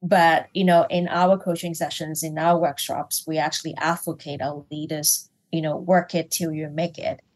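A woman from Hong Kong, an executive coach, explaining her ideas thoughtfully in a business interview, pausing with fillers and restarting phrases. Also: low-pitched, level tone, rough recording.

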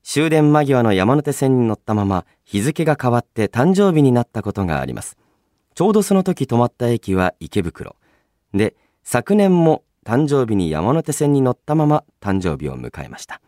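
A man hosting a radio show, chatting and reading listener mail in a polite, expressive manner. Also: mid-range voice, moderate pace, dry recording, studio quality. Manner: polite, expressive, often breaking into laughter. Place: radio studio. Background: background music.

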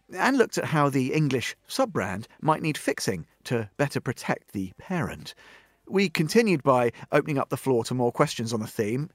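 A man hosting and moderating a panel, brisk as he links the segments. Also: medium pitch, no room sound, studio quality. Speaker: host and moderator.

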